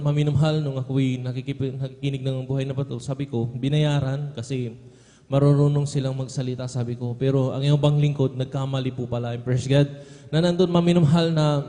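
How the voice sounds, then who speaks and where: In a church hall full of long reverb, a young man from the Philippines shares a heartfelt testimony during a prayer service. His voice is medium in pitch with a dark tone, and he says "beloved" after almost every phrase, with a Filipino accent.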